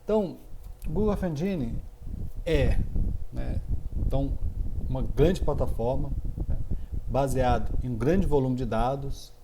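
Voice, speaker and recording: A man's voice: mid-range voice, measured pace, long pauses. Man with mineiro Brazilian accent, professor, course lecture, lots of "né", noisy with clicks. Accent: Brazilian Portuguese, mineiro. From Minas Gerais, Brazil. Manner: filler-heavy, frequent "né", loose explanatory pacing. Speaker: university computing professor. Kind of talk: recorded online course lecture.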